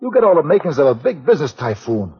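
An actor playing a big, dim-witted male strongman who talks slowly and ungrammatically, in 1940s radio acting. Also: on the high side, sing-song, husky, exaggerated voice. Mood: grumbling. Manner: slow ungrammatical speech. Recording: dull old radio recording with reverb.

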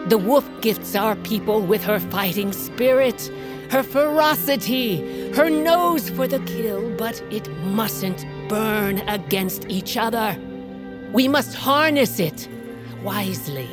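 A woman's voice: a little high, lively intonation, slow. An actress playing a stern, commanding tribal queen and mother who rallies her people with authoritative speeches. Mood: rousing. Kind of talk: fantasy audio drama acting. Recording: music bed behind voice.

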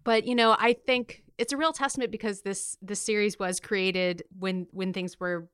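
Female podcast host, crisp resonant voice in a close dry recording, upbeat chatty delivery. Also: medium pitch, steady tone, moderate pace, a bit bright, no echo. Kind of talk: upbeat conversational podcast hosting.

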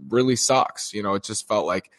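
A man with a strained, hoarse voice giving a casual, rambling recap of a baseball game, with lots of fillers and restarts. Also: fairly low pitch, normal speed, a bit bright. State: strained voice from screaming. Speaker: sports commentator.

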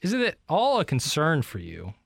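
A man's voice: fairly high pitch, wildly swooping pitch, creaky, dry recording, studio quality. A man co-hosting a sports talk show, chatting casually and agreeably and asking the questions. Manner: quick, agreeable, asks the questions. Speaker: sports radio co-host.

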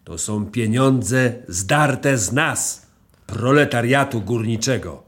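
An actor playing a stern, embittered socialist miner in a radio play, preaching emphatically. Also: male voice, mid-range voice, animated, slow. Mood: scolding, preachy.

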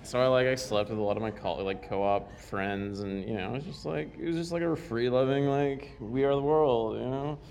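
A man's voice: mid-range voice, moderate pace, vocal fry, hardly any pauses, darkish tone, slight background noise. A man co-hosting a live podcast, talking in a loose, jokey, candid way. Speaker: podcast co-host. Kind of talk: casual chat before a live audience.

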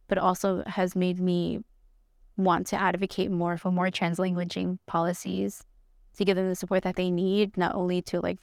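Young woman teacher from Atlanta, first language Spanish, thoughtful and hesitant, lowish flat voice, dry close sound. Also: creaky, no echo. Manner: thoughtful, frequent ums and likes. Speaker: art teacher. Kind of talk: reflective podcast interview.

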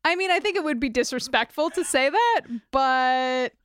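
A woman's voice: high voice, lively intonation, moderate pace, a bit bright, no room sound. A woman co-hosting a podcast, chatting casually with dry, wry humor. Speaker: podcast co-host. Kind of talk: casual chat.

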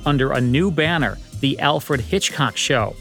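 An American man co-hosts a history podcast from a prepared script. His voice sits at a medium pitch for a man. Faint music plays behind his narration. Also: animated, unhurried, gravelly, fairly bright tone. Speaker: podcast co-host and producer.

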